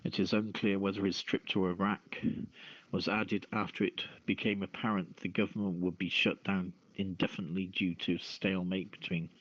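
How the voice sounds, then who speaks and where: A man hosting a radio call-in show, reading news and opening discussion in a halting delivery with stumbles. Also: low-pitched, flat delivery, fairly bright tone. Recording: roomy, dull lo-fi radio-style audio.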